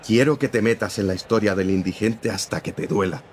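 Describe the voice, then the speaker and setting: A man's voice: fairly low pitch, a little fast, a little hiss or hum, natural voice. A man playing a stern newspaper editor. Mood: earnest. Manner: firm, lecturing, morally serious. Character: stern, principled male newspaper editor-in-chief.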